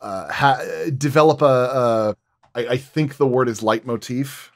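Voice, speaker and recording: Man explaining things in halting, casual talk. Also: mid-range voice. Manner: explanatory, halting, thinks aloud with examples. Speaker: sound designer guest.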